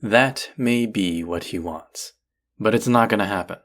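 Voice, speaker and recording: A man's voice: lowish voice, measured pace, a bit bright. A man playing a proud, combative restaurant chef in an audio roleplay, indignant, condescending and sarcastic as he argues. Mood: angry, defensive. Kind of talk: audio roleplay acting, one-sided dialogue.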